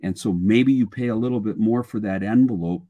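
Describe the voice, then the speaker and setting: A man's voice: on the low side, brisk, narrow, tinny audio. An older man speaking as a guest expert, explaining technical matters informally on a webinar video call. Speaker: guest expert, structural engineer and sales manager.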